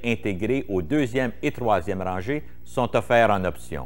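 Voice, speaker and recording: This is a man speaking. His pace is moderate. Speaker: sales trainer presenter. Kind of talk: vintage corporate sales training video narration. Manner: formal, polished, even-paced and businesslike; upbeat, promotional, salesy. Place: studio.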